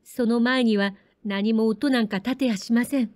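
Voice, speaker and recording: A woman voicing a spirited young girl in a samurai-era story, speaking high and pleading. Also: steady tone, normal speed, darkish tone, no room sound, natural voice. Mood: indignant.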